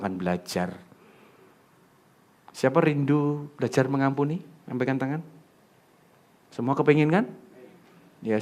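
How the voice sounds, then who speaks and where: Lively, animated preacher man. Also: medium pitch. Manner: animated, asks the congregation questions and jokes. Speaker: pastor. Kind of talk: sermon. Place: church.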